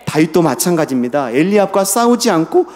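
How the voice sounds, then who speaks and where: A middle-aged senior pastor preaches in a church sanctuary, a little high and a little mellow, very animated and brisk. He leads the congregation in scripture and asks them questions, with long hall reverb around his voice.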